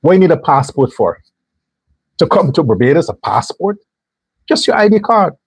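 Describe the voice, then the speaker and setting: A political commentary host gives an emphatic monologue directly to his viewers, putting on mock voices for other people. His voice is fairly high and husky, swinging widely in pitch at a moderate pace.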